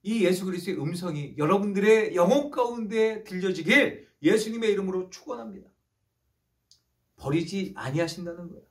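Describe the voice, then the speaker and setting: A man's voice: high voice, a little fast. A man in his thirties, a pastor preaching an online youth sermon with rising emphasis on key phrases.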